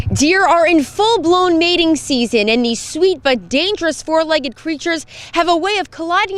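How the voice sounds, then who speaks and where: Extremely high pitch from a woman at a moderate pace, with noticeable background noise. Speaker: TV news reporter. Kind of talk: news reporter stand-up.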